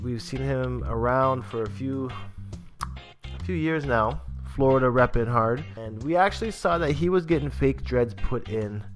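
A man's voice: mid-range voice, a little slow, faint music behind. A young man hosting a casual vlog, chatty and laid-back, talking from a small room at a desk mic. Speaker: vlogger reviewing dreadlocks.

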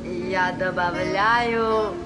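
Languid, sleek black panther. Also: female voice, fairly low pitch, steady tone. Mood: silky, assured. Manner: languid, deliberate, dignified. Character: sleek, self-assured, silky female black panther. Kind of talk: Soviet animated film acting. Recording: loud music behind.

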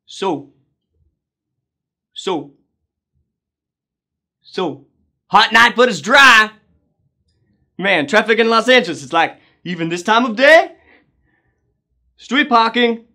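A man's voice: high voice, expressive, slow pace, long pauses, pushed and bright, full character voice. A man playing an overeager, awkward rideshare driver in a comedy sketch, making nervous, stop-start small talk. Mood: eager, awkward. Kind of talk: comedy character monologue.

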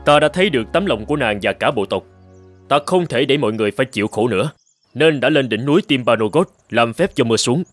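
A man playing a proud young tribal warrior posing as a god in an animated folktale, commanding and protective. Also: mid-range voice, fast, no echo, faint music behind, natural voice. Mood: tender, assured. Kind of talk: dubbed animated folktale acting.

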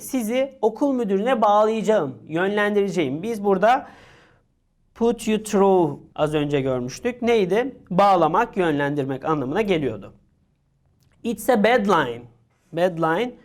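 A woman teaching an English lesson for exam prep, reading each English phrase slowly and then explaining it. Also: medium pitch, darkish tone. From Turkey.

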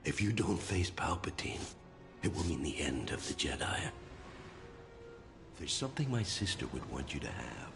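An elderly warrior-monk spirit in a game cutscene. The voice is very deep and gravelly, rising and falling as he gives solemn, stern counsel. Music sits clearly behind it. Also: sing-song, moderate pace, pauses often, exaggerated voice. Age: older. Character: wise old male Jedi master's ghost, stern mentor.

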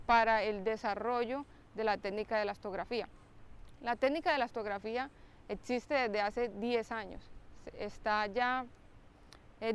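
Woman explaining, slightly high voice. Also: a little hiss or hum. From Colombia. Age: young adult. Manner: clear, explanatory, fillers "eh". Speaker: biomedical engineer. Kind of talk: to-camera interview. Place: outdoors by a lake with trees. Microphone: close mic, framed head-on.

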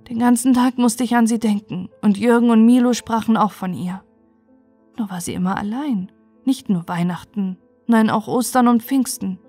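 Woman reading a calm bedtime story. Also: on the high side, slightly rough. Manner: calm, gentle narration.

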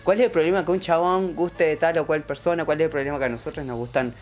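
A woman's voice: sits low, fairly even intonation, fast, darkish tone. A woman with a Rioplatense accent, a guest poet talking casually on a radio show, emphatic and constantly asking if you follow her. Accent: Rioplatense Spanish. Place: radio studio.

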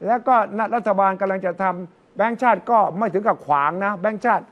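An older man analysing politics in a casual discussion, telling stories and quoting others in lively voices. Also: high-pitched, brisk, dull audio. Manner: animated storytelling, quotes others in lively voices. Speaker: political commentator.

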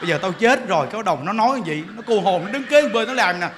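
A man's voice: high-pitched, lively intonation, fast talker, noisy background. A man in his forties with a Southern Vietnamese accent, giving a dharma talk in a joking, laughing way full of rhetorical questions. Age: 40s. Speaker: Buddhist monk preacher.

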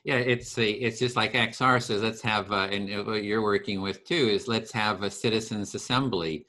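A man hosting a casual video call discussion, talking earnestly and enthusiastically with halting restarts. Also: on the low side, steady tone, bright, forceful tone. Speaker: host of empathy circle series.

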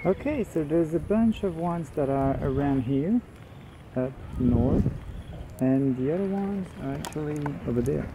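Young male travel vlogger, gravelly and low, casual and hesitant delivery, loud outdoor noise around him. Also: animated, unhurried. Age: young adult. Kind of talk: casual vlog chat. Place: outdoors, by roads and seafront. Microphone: camera-mounted mic at arm's length. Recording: outdoor recording with loud wind and traffic noise.

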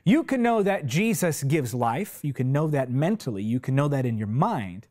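A man's voice: mid-range voice, big pitch swings, normal speed, darkish tone. A man in his twenties preaching a sermon in a studio, emphatic and passionate, with repetitive phrasing, on a lapel mic. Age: 20s. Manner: impassioned, emphatic, with repetitive phrasing and big hand gestures. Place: TV studio set, indoors.

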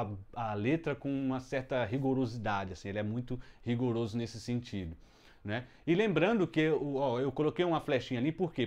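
A man explaining song lyrics step by step in a casual video lesson, with many fillers and restarts, recorded in a room at home. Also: mid-range voice. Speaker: music teacher. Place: room at home with the window closed. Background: children heard from outside.

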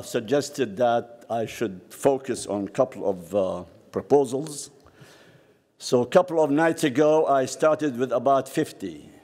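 An older man from Syria, a professor, giving a formal, measured conference speech at a podium with frequent pauses. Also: medium pitch, warm tone. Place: large conference hall. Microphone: podium microphone. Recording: long hall reverb.

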